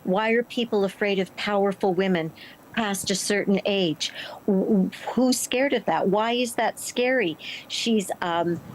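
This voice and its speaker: A middle-aged woman, an actor, answering interview questions in an expressive, emphatic conversational way. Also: medium pitch, a little slow, slight background noise, poor audio. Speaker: stage and film actor, interview guest.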